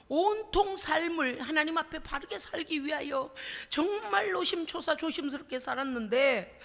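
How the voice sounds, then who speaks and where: A woman's voice: high voice, a bit bright. A woman pastor preaching a sermon, acting out the quoted voices and laughing often. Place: church sanctuary. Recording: long church reverb.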